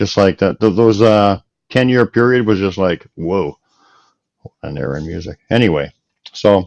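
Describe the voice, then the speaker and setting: At a moderate pace with long, frequent pauses, a man speaks at a fairly low pitch with ordinary pitch variation, the sound dry and close with no echo. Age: 60s. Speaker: podcast host. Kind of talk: casual chat.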